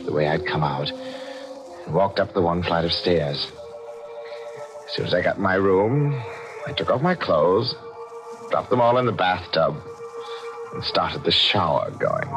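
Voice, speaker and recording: A calculating killer in a vintage radio thriller. The voice is very low, deliberate and dramatic, telling of crime with cold precision. Loud dramatic music runs behind it. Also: male voice, lively intonation, poor audio. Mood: cool, scheming. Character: cold, calculating male murderer confessing his scheme. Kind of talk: old-time radio mystery acting, first-person narration.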